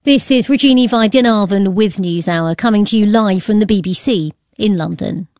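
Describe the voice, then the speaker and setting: A woman presenting live radio news from a broadcast studio, reading headlines and chatting with a correspondent in a measured, crisp newsreader manner. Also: medium pitch, darkish tone, no room sound. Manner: crisp measured newsreader delivery with light laughter in chat. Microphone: studio microphone.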